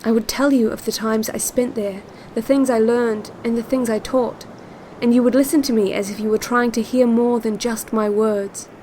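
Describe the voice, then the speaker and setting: An actress playing a calm, yearning woman who narrates secret relaxation cassettes in a measured, intimate audio drama monologue. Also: on the high side, a little hiss or hum, natural voice, low-quality recording. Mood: wistful, longing. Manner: measured, deliberate, repetitive phrasing.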